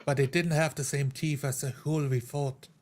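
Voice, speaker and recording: Measured male roleplayer with level pitch. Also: steady tone, darkish tone. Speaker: player in a tabletop roleplay game. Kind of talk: in-character roleplay, formal wording.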